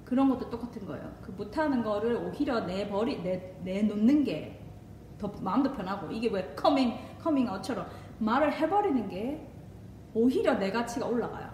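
Lively Korean woman with a Gyeongsang accent. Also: moderate pace. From Gyeongsang region of Korea. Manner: lively, laughs often, switches into English phrases. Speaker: doctor and parenting channel host. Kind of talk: casual advice talk to viewers. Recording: echoey room, mic at a distance, faint rumble.

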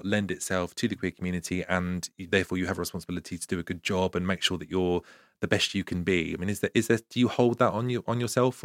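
A man's voice: sits low, gravelly, a bit bright, no room sound, clean studio sound. A man hosting a casual interview podcast, talking in an effusive, encouraging way.

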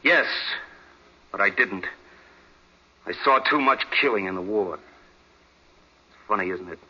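A dull vintage radio recording of a resentful young American man. His voice is very sharp and forceful with a husky edge, bitter and boastful. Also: fairly low pitch, slow pace, full character voice. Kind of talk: 1940s radio drama acting.

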